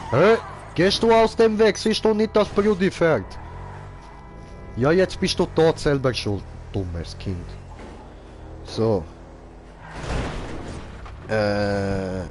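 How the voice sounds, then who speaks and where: A man's voice: fairly high pitch, lively intonation, very slow, pauses often, soft background music. A man giving casual live gaming commentary in clownish, slangy broken grammar, as a streamer. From Switzerland. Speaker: game streamer.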